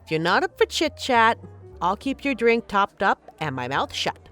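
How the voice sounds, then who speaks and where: A woman's voice: medium pitch, sing-song, moderate pace, fairly bright tone, soft background music. A woman playing a flirty, teasing but caring bartender in an intimate, conversational audio roleplay. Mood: flirty, reassuring. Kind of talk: intimate scripted roleplay, ASMR-like.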